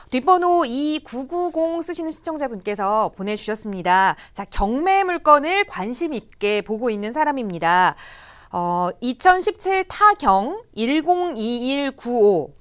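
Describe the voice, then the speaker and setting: Lively-pitched woman hosting a TV call-in show. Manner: polite, formal announcer delivery. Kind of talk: scripted broadcast presenting.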